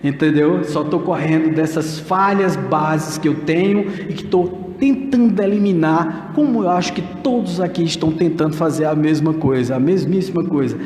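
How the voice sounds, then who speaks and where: A man's voice: on the high side, moderate pace, few pauses, a little mellow. A man giving a spiritist lecture from a pulpit, speaking earnestly and directly to the audience. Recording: echoey hall with long reverb.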